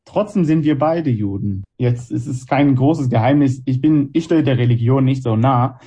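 A man's voice: mid-range voice, normal speed, warm tone, husky. Israeli-born man in his twenties, hosting. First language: Hebrew. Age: 20s. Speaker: radio show host. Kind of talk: scripted narration and interview.

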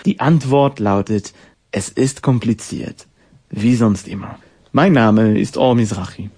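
A man in his late twenties from Israel, hosting a radio program with measured, rhetorical narration and interview questions. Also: fairly low pitch, dark tone, breathy edge. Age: 20s. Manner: measured, rhetorical, list-like delivery. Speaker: radio host.

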